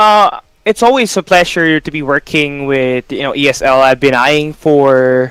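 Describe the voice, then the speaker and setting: In a dry, close sound with no echo, a man with a Filipino accent speaks at a fairly slow pace. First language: Tagalog. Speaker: esports caster. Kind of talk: podcast interview.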